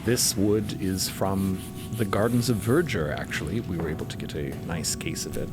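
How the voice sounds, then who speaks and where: A man's voice: low voice, normal speed, loud music behind the voice, pitched below the performer's own voice, lightly acted. A man playing a fussy, proud inventor who chatters eagerly about his technical work in an audio story.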